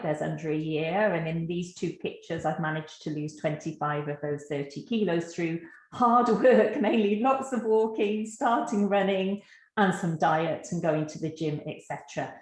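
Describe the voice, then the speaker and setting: A woman's voice: fairly low pitch, moderate pace, echoey room. A woman from Gloucestershire with a slight West Country accent, giving an online teacher-training talk in a chatty, friendly way, laughing often. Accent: slight West Country English. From England, Gloucestershire. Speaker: teacher trainer presenting a webinar. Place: online video session. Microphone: video call.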